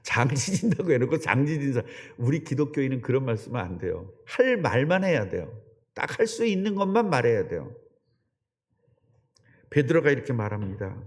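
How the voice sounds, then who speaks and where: A middle-aged man preaching a sermon as pastor, conversational and animated, often putting questions to the congregation. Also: medium pitch, moderate pace. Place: church sanctuary. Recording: long church hall reverb.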